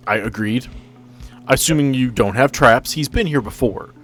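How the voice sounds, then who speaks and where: A man's voice: medium pitch, moderate pace, fairly bright tone, faint music behind. A man narrating as game master on a tabletop roleplay podcast, talking conversationally and addressing his players directly.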